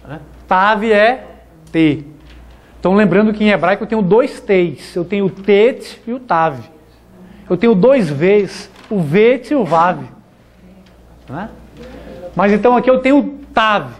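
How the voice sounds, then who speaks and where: Male hebrew teacher in a classroom, talks slow with a high voice, keeps repeating words. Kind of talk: classroom lecture.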